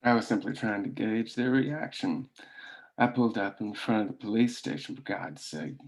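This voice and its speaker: A man's voice: fairly low pitch, expressive, moderate pace, vocal fry. A man playing a cold, calculating boss of hired strongmen, commanding and clipped, in a drama table read.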